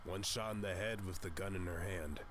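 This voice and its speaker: A man's voice: low-pitched, a little fast, a bit bright. A man playing a solemn, self-assured detective in a visual novel, making dramatic pronouncements. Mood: pompous, assured. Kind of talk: visual novel character acting.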